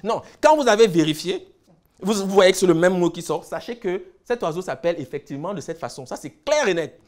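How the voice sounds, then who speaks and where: A man's voice: high voice, lively intonation. Emphatic man teaching a lecture. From Cameroon. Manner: listing words slowly, then explaining emphatically. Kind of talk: lecture on word roots.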